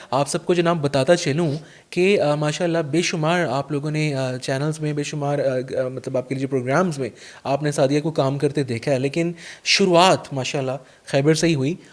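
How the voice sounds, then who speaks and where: A man's voice: a little high, fairly even intonation, normal speed. A young man hosting a podcast interview, chatty and formal with his audience, using many fillers. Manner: chatty, warm formal address, frequent fillers. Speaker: podcast host. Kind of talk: casual interview chat.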